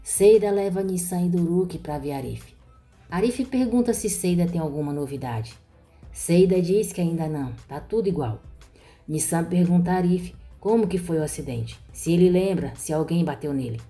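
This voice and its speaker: A woman narrating a soap-opera recap in an even storytelling manner. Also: lowish voice, moderate pace, faint music behind.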